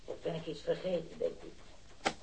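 A man playing an earnest, hesitant witness in a radio drama, recounting things carefully and haltingly. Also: on the high side, little pitch movement, vocal fry, noisy background. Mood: recalling carefully.

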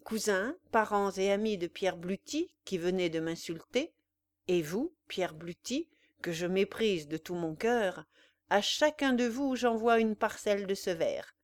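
A woman reading a defiant young gentleman who speaks with cold contempt. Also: medium pitch, a little slow, no echo, close to an everyday voice. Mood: cold defiance.

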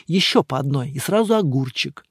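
A man voicing an easygoing, sociable man who talks in an unhurried, coaxing way. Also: on the high side, animated, husky, no room sound, studio quality. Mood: soothing.

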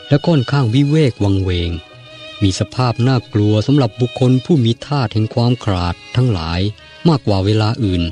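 A man reading a novel aloud as an audiobook narrator, in a measured and formal storytelling manner. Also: mid-range voice, mellow.

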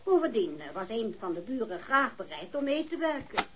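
A woman's voice: on the high side, sing-song, normal speed, noisy background. A woman acting in a radio drama as a self-righteous housing company manager, prim and condescending. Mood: haughty, self-righteous.

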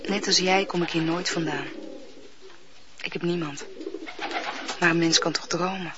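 An actress playing a gruff, lonely young woman who gives lessons to a boy, in an old radio drama. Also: on the low side, fairly even intonation, a little slow, lo-fi sound, noisy background, natural voice. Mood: weary.

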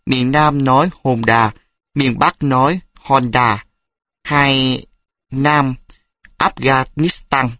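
A man reads an essay aloud for an audiobook, at a middle pitch and in a steady, explanatory manner. The recording is dry and close, with no room sound around his voice. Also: no room sound. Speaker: audiobook reader.

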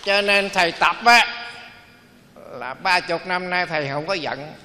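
A man's voice: high voice, measured pace, pushed and bright, big-room sound. A man, a Buddhist monk, giving a dharma talk in a folksy storytelling way, acting out the people in his stories.

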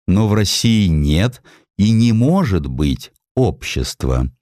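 A man's voice: low voice, big pitch swings, slow pace, a little mellow, dry recording, full character voice. A man voicing a spiteful presiding judge in an audio drama, questioning with caustic irony. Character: spiteful, sneering male presiding judge of Tsarist court.

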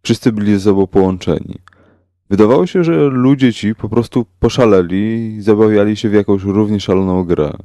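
A man narrating a horror story in a slow, measured, grave way. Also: fairly low pitch, warm tone, no echo, clean studio sound. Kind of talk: scripted horror audiobook narration.

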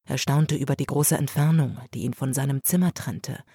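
A woman narrating a classic story as an audiobook, in a measured, steady storytelling manner. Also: very deep voice, breathy edge, no room sound, studio quality.

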